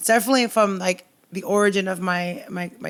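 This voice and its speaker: With a South Florida accent, a woman talks at a fairly quick pace and ordinary pitch variation. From Miami, raised by Dominican family. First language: Spanish. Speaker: comedian and voiceover artist. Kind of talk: podcast interview, casual chat. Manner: animated.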